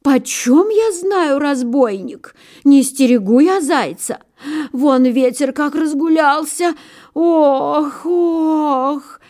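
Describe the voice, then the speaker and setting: A woman voicing a groaning, creaky old female pine tree in a storybook reading, sighing and wailing as she speaks. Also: high voice, slow, darkish tone, pitched above the performer's own voice.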